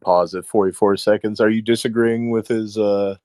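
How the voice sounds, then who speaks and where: A man's voice: fairly low pitch, fairly even intonation, normal speed, warm tone, no echo. A man hosting casual comedic commentary with a dry, wry manner. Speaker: host.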